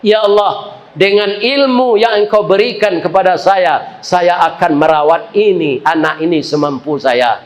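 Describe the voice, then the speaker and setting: A man with a Minangkabau accent voicing a gentle, pious male hospital director who speaks in a soft, pleading way. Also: sits high, a little slow. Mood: prayerful.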